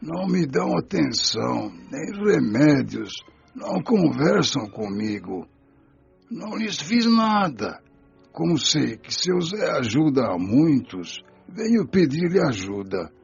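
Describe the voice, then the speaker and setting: A woman voicing a confused, pleading wandering spirit in a radio drama, raspy and theatrically plaintive. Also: low-pitched, big pitch swings, slow pace, darkish tone, heavily acted. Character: distressed, confused wandering spirit, easily terrified, pleading for help. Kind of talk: audiobook radio drama acting. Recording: dull band-limited audio, faint music.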